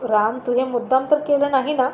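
A woman's voice: sits high, fairly quick, highs cut off, natural voice. A woman voicing indignant young heroine. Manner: indignant, retorting. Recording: roomy echo, faint noise.

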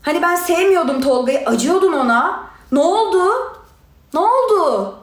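A woman's voice: very high-pitched, lively intonation, normal speed. A young woman delivering an angry, sarcastic livestream rant, scolding and addressing her viewers directly. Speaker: reality show contestant answering critics. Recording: echoey room sound.

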